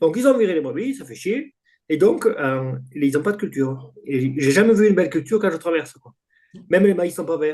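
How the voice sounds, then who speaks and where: A man with a high pitch talks at a fairly quick pace, his intonation lively. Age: 60s. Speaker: farmer and union founder. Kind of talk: interview. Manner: hesitant, many fillers.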